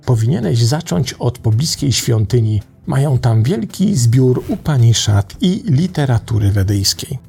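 A man reads an old wandering sage who speaks with a slight irony. His voice is gravelly and plain, with faint music underneath. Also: mid-range voice, animated, a little slow, hardly any pauses, dark tone. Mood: earnest. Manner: slightly ironic. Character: wise old male wandering sage, a bit ironic.

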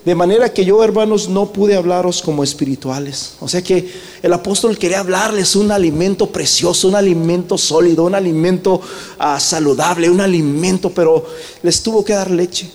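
A man with a high voice preaches a sermon to his congregation, often stopping to ask them questions. The long reverb of the church hall rings around every phrase. He drops the English word "brother" into his Spanish here and there. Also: normal speed, darkish tone. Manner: questions the congregation often, tagging lines with "¿verdad?".

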